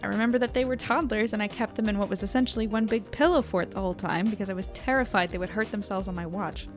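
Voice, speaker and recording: A woman's voice: medium pitch, fast, music in the background, natural voice. A woman playing an anxious, self-doubting young newspaper editor, narrating and chatting wryly in an audio drama. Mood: melodramatic worry. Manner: wry, melodramatic, conversational. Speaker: narrator and lead character.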